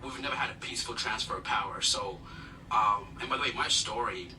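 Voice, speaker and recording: This Ugandan man's voice is lowish, slightly fast, and sharp in tone as he shares his life story as an interview guest. He comes across earnest and humble, leaning on many fillers, and the distant mic picks up noticeable noise.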